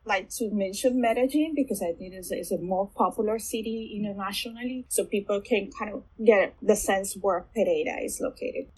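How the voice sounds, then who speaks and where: A woman in her forties from Colombia, speaking English with a Colombian Spanish accent, enthusiastic and warm, often restarting her sentences as an interview guest. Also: mid-range voice, a little fast, few pauses, husky, low-quality recording. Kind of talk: conversational interview.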